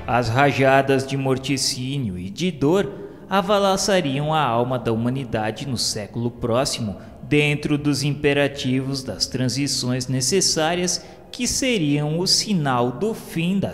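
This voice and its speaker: Slow, solemn Brazilian man narrating in long reverb. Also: medium pitch, animated. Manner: solemn, formal, measured delivery. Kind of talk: solemn scripted narration of a religious radio novela. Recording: long reverb, music underneath. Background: music.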